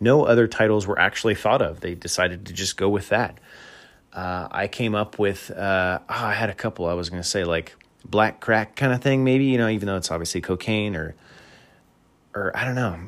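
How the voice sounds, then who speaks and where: In an unremarkable speaking voice, a man talks fairly quickly at a fairly low pitch with ordinary pitch variation, recorded very cleanly against a silent background. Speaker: solo podcast host reviewing movies and games. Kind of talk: casual monologue review.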